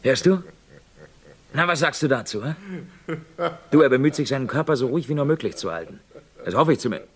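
A man playing an excitable radio reporter. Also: medium pitch, a little fast, long pauses, lightly acted. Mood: excited. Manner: breathless, excitable running commentary. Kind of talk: radio play acting.

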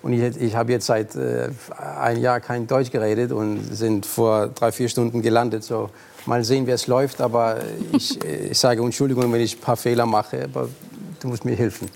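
Gravelly Danish-accented man, halting. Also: medium pitch, level tone, a little mellow, slight background noise. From Denmark. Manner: halting, searching for words, many fillers. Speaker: actor guest. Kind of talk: talk show interview.

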